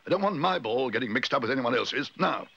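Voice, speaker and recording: A man's voice: medium pitch, expressive, quick pace, pushed and bright, lo-fi sound, a little hiss or hum, voice pushed up. A man voicing a pompous, bossy, irascible neighbour who blusters indignantly in a children's storybook reading.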